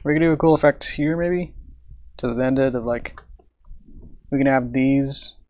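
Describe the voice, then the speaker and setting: A man on a casual live stream, rambling with many fillers and soft laughs while he works, sounding tired and a little out of breath. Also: medium pitch, a little slow.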